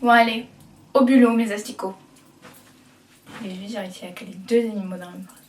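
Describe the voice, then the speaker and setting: Brisk and fairly even in intonation, a medium-pitched woman rambles through a casual vlog while cleaning her bedroom, joking about herself. The distant, off-mic recording echoes and carries a little hiss or hum plus faint background clatter.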